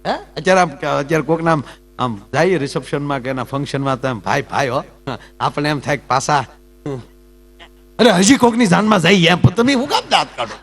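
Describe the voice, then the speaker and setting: Man, stage comedian, chatty and teasing the crowd, quick asides, mains hum in the background. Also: on the high side, a bit bright. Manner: chatty, teasing the audience, jumps between jokes and asides. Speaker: folk comedian and storyteller on stage. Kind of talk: live Gujarati folk comedy talk with audience banter.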